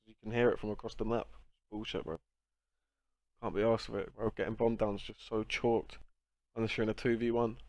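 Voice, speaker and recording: A man's voice: lowish voice, steady tone, brisk, a little mellow, dry recording. A young British man chatting casually while gaming, speaking in a slangy, sweary, complaining way. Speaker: video game player.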